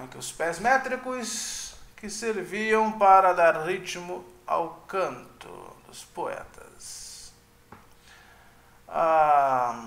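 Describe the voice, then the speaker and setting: High creaky man lecturing casually. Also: a bit bright, echoey room. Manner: informal, hedging, frequent "né?" tags; admits uncertainty, thinks aloud with restarts. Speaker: teacher.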